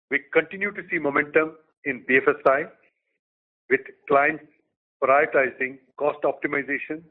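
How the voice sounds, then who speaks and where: Executive man on a tinny line. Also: on the high side. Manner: measured, reads figures in short phrases. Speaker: company chief executive. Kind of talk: prepared business update.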